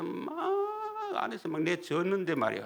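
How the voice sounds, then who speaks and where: A man with a Gyeongsang accent, animated in tone, against noticeable background noise. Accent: Gyeongsang Korean dialect. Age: old. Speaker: pastor. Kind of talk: sermon. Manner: animated storytelling.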